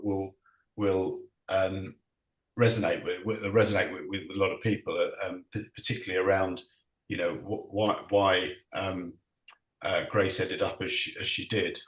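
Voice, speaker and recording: A man moderates a panel over video call in a deep, unhurried voice with little change in pitch. His delivery is full of stumbles, repeats and frequent laughs, captured with a roomy echo.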